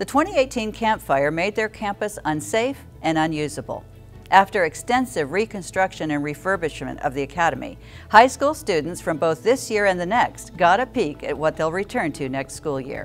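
Faint music plays in the background as a woman with a fairly low voice speaks at a moderate pace. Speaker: news presenter. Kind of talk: news reading. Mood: warm, upbeat. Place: studio. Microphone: lapel.

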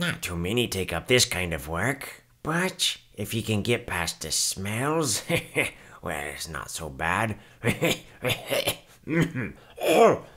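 Speaking very slowly in a put-on character voice, a man at a medium pitch swings very widely in pitch and leaves long, frequent pauses. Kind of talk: character voice performance. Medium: solo performance. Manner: gloating, folksy. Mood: casual, chatty.

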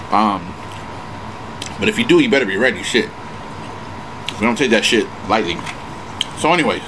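A man speaks with an American accent at a moderate pace. Noticeable background noise runs behind him. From Stockton, California. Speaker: mukbang YouTuber. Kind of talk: casual storytime while eating. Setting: home recording for video. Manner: casual, filler-heavy slang. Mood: relaxed, laid-back. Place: home room. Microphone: webcam.

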